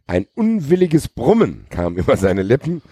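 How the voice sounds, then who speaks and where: A man's voice: mid-range voice, wildly swooping pitch, moderate pace, dark tone, slightly rough, no room sound, studio quality. A man hosting a podcast, reading a novel aloud with joking asides. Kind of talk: casual read-aloud with banter.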